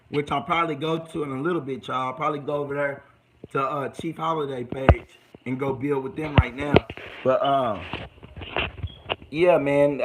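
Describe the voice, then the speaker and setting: A man's voice: mid-range voice, a little hiss or hum, rough recording. A young man with a mixed Texas and California accent, talking casually to viewers on a livestream, slangy and calling them y'all. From United States. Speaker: livestream host.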